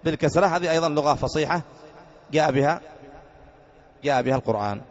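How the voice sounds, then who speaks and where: A man's voice: fairly high pitch, fast. A man teaching a classroom grammar lesson, quizzing his students with repeated questions. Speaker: sheikh teaching Arabic grammar. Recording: muffled recording in a reverberant hall.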